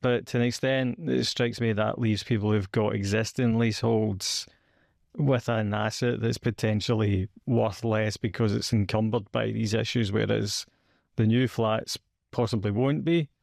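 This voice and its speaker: A man from Scotland with a Scottish accent, interviewing a guest in a relaxed, hedging way with frequent fillers. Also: fairly low pitch, a little slow, creaky, no echo, studio quality. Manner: hedging, questions full of fillers and restarts. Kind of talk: conversational interview.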